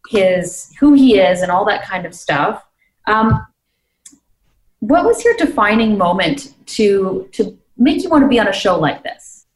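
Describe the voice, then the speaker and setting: Upbeat woman co-host in an echoey room. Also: mid-range voice. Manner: upbeat, chatty. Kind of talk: casual talk show chat.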